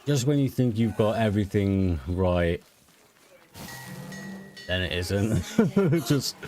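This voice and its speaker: A very low-pitched man talks casually through a game stream. His deep voice rambles along, hesitant and full of fillers, while game music plays faintly behind him. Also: slow pace. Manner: relaxed, hesitant, many fillers, chatting with viewers. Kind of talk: casual gameplay streaming chat.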